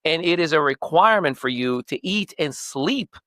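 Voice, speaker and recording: Earnest podcast host from Morocco, mid-pitched voice, dry studio sound. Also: male voice, lively intonation, moderate pace, pushed and bright, no echo. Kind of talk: casual podcast conversation.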